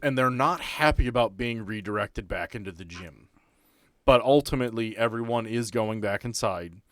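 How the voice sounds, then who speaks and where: A man running a tabletop game as game master, narrating scenes in a halting, improvised way. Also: lowish voice, dry recording, studio quality.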